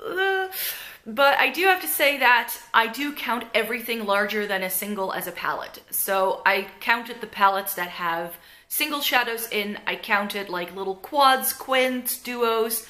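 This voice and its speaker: Here the same kind of speaker, a young woman from the Netherlands whose Dutch accent carries some American, chats to camera from her living room as a beauty vlogger, wandering off with plenty of fillers. Her pitch is fairly high, her pace measured, and her tone bright and forceful. She's recorded by a camera placed close in front.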